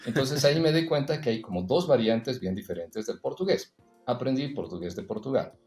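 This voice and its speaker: A man's voice: mid-range voice, expressive, fairly quick, a little mellow, roomy sound, soft background music. A man, a podcast guest, talking reflectively in a casual interview, telling personal stories and often adding "eh" and a tag question. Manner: reflective, storytelling, frequent "eh" and tag "¿no?".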